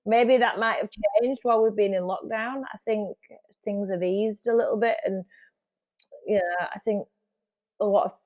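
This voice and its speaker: A woman's voice: mid-range voice, steady tone, moderate pace, dry recording, lo-fi sound. A middle-aged woman, a music industry guest, chatting casually in an interview with frequent restarts. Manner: chatty, restarts often, laughs easily.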